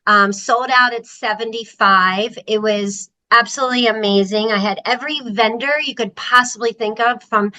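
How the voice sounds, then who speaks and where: A woman's voice: a little high, normal speed, hardly any pauses, pushed and bright, low-quality recording. A woman from Maryland, a podcast guest on a video call, talking in an enthusiastic, chatty way with fillers. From Maryland, USA. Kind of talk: casual interview chat. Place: video call from Costa Rica.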